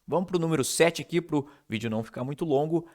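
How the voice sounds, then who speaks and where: A man's voice: on the high side, fast talker, a little mellow. Brazilian man teaching a casual video lesson. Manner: explains step by step, checks in with "né?" and "tudo bem?". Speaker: English teacher.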